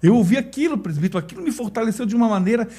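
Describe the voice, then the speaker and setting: A man's voice: very high-pitched, lively intonation, rapid-fire, warm tone, husky. A middle-aged man with a Brazilian Portuguese accent, a church elder telling an emotional personal testimony and acting out the quoted dialogue. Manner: storytelling, acts out quoted dialogue.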